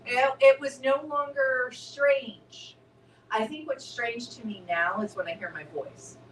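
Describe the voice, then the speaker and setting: A woman's voice: a little high, unhurried, recorded from a distance. Woman, reflective chat, faint background noise, roomy sound. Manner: reflective and chatty, often asks "Right?". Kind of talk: casual spiritual chat.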